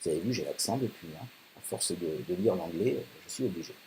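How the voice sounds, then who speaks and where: Male tutorial host, casual and chatty, low voice with animated pitch, desktop mic with light hiss. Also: fairly quick. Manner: chatty, thinking aloud with many fillers. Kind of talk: casual screen-recorded tutorial. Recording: faint hiss.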